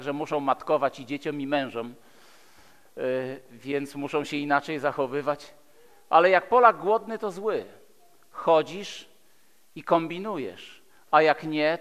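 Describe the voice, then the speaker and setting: A man in his fifties from Poland preaching a sermon in an emphatic, rhetorical manner with repeated phrases. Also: fairly high pitch. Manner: emphatic, rhetorical, with repeated phrases and dramatic swings between loud and hushed. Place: large church hall, speaking from a pulpit. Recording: echoey hall with long reverb.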